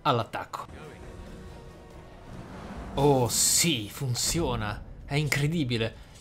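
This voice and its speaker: A man's voice: mid-range voice, slow, over music. A man hosting a gameplay video, commentating in a roleplay style with wry, rather formal wording. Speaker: gaming video host. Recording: clear game noise behind voice. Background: video game sounds.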